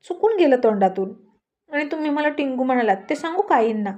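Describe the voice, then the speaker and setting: A woman's voice: a little high, moderate pace, dark tone, lo-fi sound, close to an everyday voice. A woman voicing an earnest young wife who argues back with her husband, in a read-aloud story. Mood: upset. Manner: earnest, pleading, argumentative.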